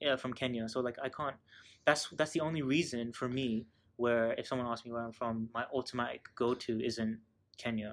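In a very clean recording with a silent background, a man with an ordinary speaking voice talks at a fairly quick pace, with a medium pitch and fairly even intonation. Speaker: podcast host. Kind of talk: casual chat.

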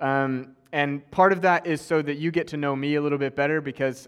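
Speaking in a plain, everyday voice with an American accent, a man talks at a fairly quick pace in a fairly high pitch with fairly even intonation. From Oklahoma. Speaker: professor and guest preacher. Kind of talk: sermon.

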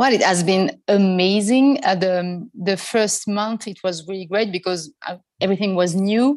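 In a French accent, a woman talks at a moderate pace with hardly any pauses. Her pitch is medium, with ordinary pitch variation. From France. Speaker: bookshop owner. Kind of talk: interview.

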